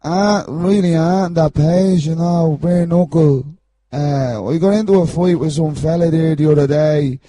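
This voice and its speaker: Mellow, shifty Irish chancer, played by a man. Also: fairly high pitch, unhurried. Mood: cagey, defensive. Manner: rambling, evasive, slangy. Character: shifty, petty-criminal Irish chancer, aggrieved and defensive. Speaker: comic character guest on a wrestling podcast. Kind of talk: improvised comic interview.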